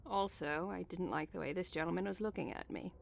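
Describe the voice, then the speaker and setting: A woman's voice: fairly low pitch, brisk, creaky. A woman playing a haughty, bloodthirsty vampire daughter in an audio drama, sardonic and formal. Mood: haughty amusement.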